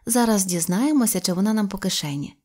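A woman voicing a gentle, careful mother of a young boy in an audio fairy tale, speaking softly and politely. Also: medium pitch, animated, fast talker, close to an everyday voice.

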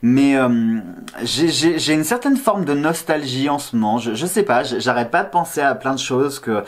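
A man's voice: medium pitch, lively intonation, normal speed. A man in his thirties with a slight slushy lisp, hosting a casual tarot vlog in a playful, self-teasing, digressive way. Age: 30s. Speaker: tarot card reader and video host. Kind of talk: casual chatty vlog to camera. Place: small indoor room, seated at a table.

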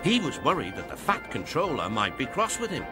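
A man with a British accent narrating a children's storybook in a gentle, measured way. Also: mid-range voice, huge pitch swings. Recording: music playing behind.

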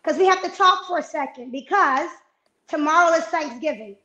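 A woman in her fifties on a video call from her home kitchen, giving healthy eating tips in an energetic, coaching way. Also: high-pitched, moderate pace, echoey room, lo-fi sound. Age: 50s. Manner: energetic, coaching, emphatic repetitions. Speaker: fitness and nutrition guest. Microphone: wireless earbuds on a video call.

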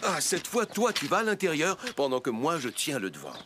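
Animated, playful cartoon grandpa. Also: male voice, on the high side, a little fast, noisy background. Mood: encouraging. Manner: animated, encouraging. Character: cheerful, playful grandfather of a small boy. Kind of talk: French children's cartoon dub. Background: background music.

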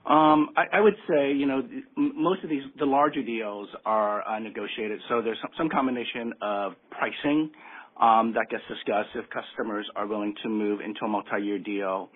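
Husky, halting man on a phone line. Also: lowish voice. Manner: halting, repeats words. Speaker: company executive on an earnings call. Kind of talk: unscripted business answers. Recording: muffled narrowband phone line.

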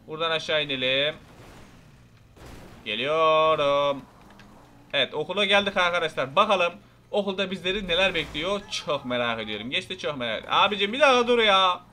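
A man's voice: sits high, lively intonation, quick pace, pushed and bright, slight background noise. A young man giving casual, rowdy gameplay commentary, chatting to viewers and mock-threatening game characters. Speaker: gameplay YouTuber. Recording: faint music behind.

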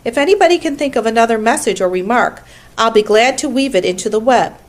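A woman reading a storybook aloud, voicing a wise, precise female spider who runs a barn meeting in a brisk, tart, schoolmarmish way. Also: fairly high pitch, expressive, pitched above the performer's own voice, lightly acted.

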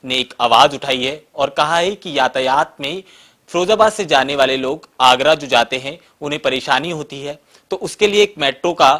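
Male reporter, Western Uttar Pradesh Hindi accent, slightly high voice, long questions with fillers. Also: normal speed, fairly bright tone. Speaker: reporter, interviewer. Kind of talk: field interview questions.

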